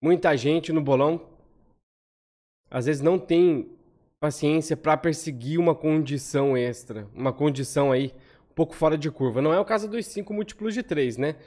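On webcam over screen share in a room at home, a thirtysomething lottery analysis host with a Brazilian Portuguese accent goes through spreadsheet statistics. His voice is on the high side with a darkish tone, and his quick, conversational style often ends phrases with a questioning "tá?".

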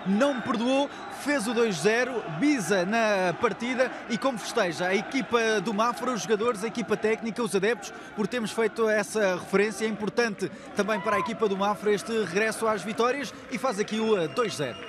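A man with a European Portuguese accent giving live, animated football commentary as a co-commentator, summing up the play. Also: high-pitched, a little fast. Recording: clear stadium noise behind the voice.

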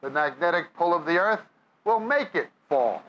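A man's voice: a little high, big pitch swings, moderate pace, dull audio. A man with a New York accent preaching a sermon, reading scripture aloud and then explaining it to a live audience. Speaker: Bible teacher. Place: church or meeting hall with audience.

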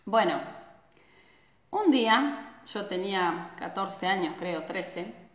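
A woman's voice: mid-range voice, takes it slowly. A woman in her thirties from Argentina with an Argentine Spanish accent, hosting a casual live stream, chatty and full of tag questions, filmed on a phone at arm's length in a small indoor room. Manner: chatty, frequent tag questions, animated hand gestures. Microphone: phone camera at arm's length. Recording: echoey room.

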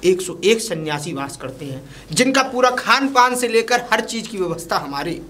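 A man's voice: high-pitched, lively intonation, moderate pace, bright, forceful tone, a little hiss or hum. A man acting a scheming fake holy man who steals a child in a village crime drama, with a sly, sing-song chanting manner. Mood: pious. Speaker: fake baba. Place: outdoors in a village.

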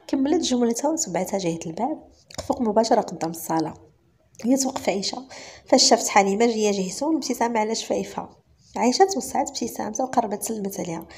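A woman's voice: fairly high pitch, husky. A woman storyteller with a Moroccan accent narrating a scripted story. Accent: Moroccan Arabic. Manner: rapid, even reading.

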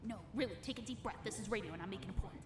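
A woman's voice: medium pitch, very fast, music in the background, natural voice. A woman playing a bossy, streetwise host of a comedic radio survival guide, sassy, theatrical and tough-talking. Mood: teasing. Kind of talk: comedic audio drama acting.

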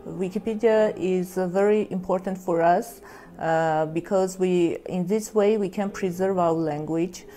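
A native Armenian-speaking woman answering haltingly in an interview, with many fillers, in a library room. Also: fairly low pitch, steady tone, mellow, soft background music.

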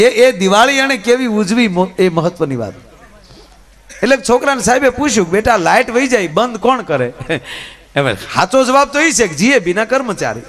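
Man, folk storyteller, high voice, very lively pitch. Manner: lively, swings between loud and soft asides. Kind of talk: live folk storytelling on stage.

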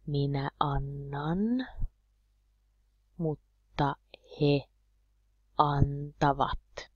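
A woman with a low voice teaches a lesson at a slow, deliberate pace, spelling out each word so learners can follow. The sound is dry and a little dull, with no room around it. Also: monotone, dry recording. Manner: slow, deliberate, repeating words clearly for learners. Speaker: Finnish language teacher.

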